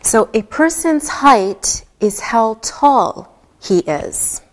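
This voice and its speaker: A woman teaches an English lesson with patient, careful delivery. She speaks at a very slow, deliberate pace, and every word comes out clear and unhurried. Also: fairly high pitch, animated. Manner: patient, deliberate, spells things out step by step.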